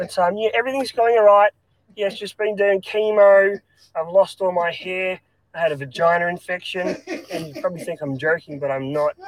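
Speaking with an Australian accent, a woman of medium pitch uses lively intonation at a fairly quick pace. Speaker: caller. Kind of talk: casual chat.

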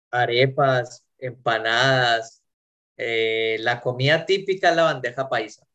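The pace of this man's speech is very slow. He sits at a medium pitch and varies it in an ordinary way. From Spain, Madrid (born in Medellín, Colombia). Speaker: rapper. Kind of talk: casual chat.

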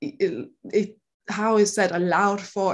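A woman with a Danish accent, medium pitch and ordinary pitch variation, over a quiet background. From Denmark. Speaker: online summit host and interviewer. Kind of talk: interview. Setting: video call.

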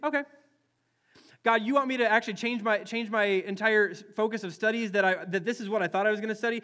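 A very fast, high-pitched man with an American accent, a bright, sharp tone and fairly even intonation. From US Midwest. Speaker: pastor. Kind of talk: sermon. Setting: church. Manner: informal, conversational, repeats words.

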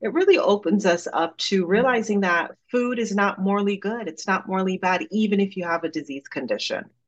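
A woman with a slight Jamaican accent, ordinary pitch variation and a quiet background. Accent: American English with slight Jamaican. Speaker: dietitian. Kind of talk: interview.

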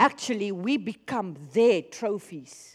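A woman with a South African accent speaks at a fairly high pitch. Her pace is fairly slow. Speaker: visiting preacher. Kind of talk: sermon. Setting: church.

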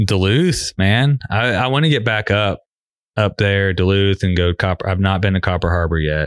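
A man with an American accent speaks in an unremarkable speaking voice, fairly low in pitch with ordinary variation, at a moderate pace. The sound is dry and close with no echo, over a quiet background. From southwestern Ohio (Cincinnati area). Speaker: mountain bike club leader and trail builder. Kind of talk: casual interview chat.

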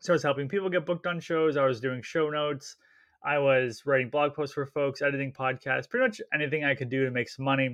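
Talking at a very fast pace, a man with an American accent uses a fairly high pitch and fairly even intonation. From Massachusetts, US. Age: 20s. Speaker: podcast booking agency founder. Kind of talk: casual interview.

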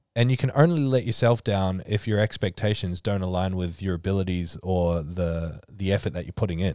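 Speaking fairly quickly with a very deep, low pitch and a dark, mellow tone, this man has an Australian accent and lively intonation on a very clean recording with a silent background. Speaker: powerlifting coach and podcast host. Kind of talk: casual chat. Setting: studio.

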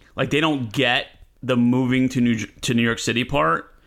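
A man with a New Jersey accent speaks at a fairly slow pace and medium pitch, in a bright, sharp tone. His intonation is fairly even, on a very clean recording with a silent background. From New Jersey, Elizabeth. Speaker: comedian. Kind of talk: casual chat.

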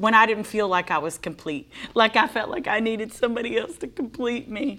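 The woman speaks with a Texan accent. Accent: Texan American. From Texas. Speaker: preacher. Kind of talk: casual chat about faith. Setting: studio.

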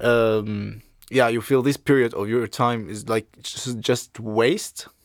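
A man with monotone, flat intonation, in a very clean recording with a silent background and a dry, close sound with no echo. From Syria. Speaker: refugee, shipping supervisor. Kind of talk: casual chat.

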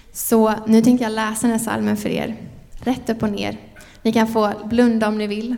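Speaking at a moderate pace, a woman with a fairly high pitch and a dark, mellow tone keeps a monotone, flat intonation, with audible room echo. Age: 30s. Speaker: guest preacher. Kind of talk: sermon.

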